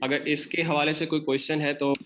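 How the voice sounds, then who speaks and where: A man's voice: a little high, little pitch movement, brisk, a bit bright, slight background noise. A man with a Pakistani Urdu accent teaching an Arabic grammar class, explaining step by step and repeating example words. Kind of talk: online class lecture.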